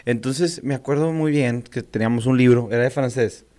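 A man's voice: mid-range voice, brisk. Young Mexican man telling a school story. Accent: Mexican Spanish. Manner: animated storytelling, slangy, acts out voices.

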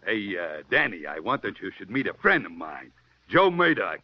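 An actor playing a tiny streetwise jockey man with laryngitis, speaking in a hoarse near-whisper in a 1940s radio drama. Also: lowish voice, sing-song, normal speed. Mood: hoarse, pleading. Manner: streetwise New York slang, hesitant. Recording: dull lo-fi 1940s radio recording.

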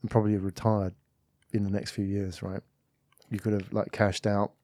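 A man's voice: on the low side, little pitch movement, moderate pace, warm tone, dry recording. Man hosting a studio podcast interview. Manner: conversational, leading questions with many fillers. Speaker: podcast host.

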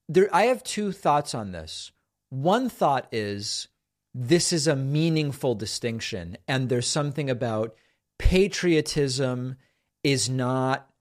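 A man hosting a call-in talk show. His voice sits in an ordinary middle range, and he weighs his words aloud, often starting a sentence over. He speaks calmly and with measure. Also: mid-range voice. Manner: measured, thinks aloud with restarts. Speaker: host.

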